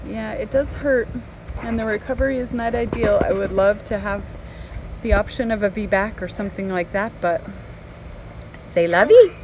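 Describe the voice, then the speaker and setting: A pregnant woman in her thirties chatting casually in a family vlog, lively with her kids. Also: medium pitch, normal speed, noisy background. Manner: chatty, animated with children. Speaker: family vlogger.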